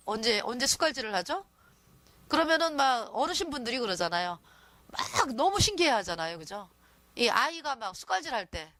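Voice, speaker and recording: A woman's voice: high-pitched, pushed and bright, no echo. A woman preaching a sermon in a conversational way, often asking the listeners to agree with her.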